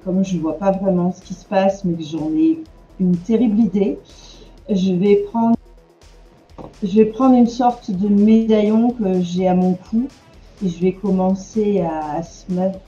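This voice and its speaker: A woman playing a tabletop game, calmly describing what her character does, step by step. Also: medium pitch, unhurried, reverberant, dull audio, soft background music. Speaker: player.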